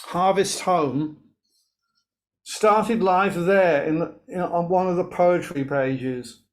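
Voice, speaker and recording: A man's voice: high-pitched, takes it slowly, low-quality recording. A man, a guest singer-songwriter chatting and telling a story about his song on a video call, with some restarts. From Wales. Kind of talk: casual interview chat.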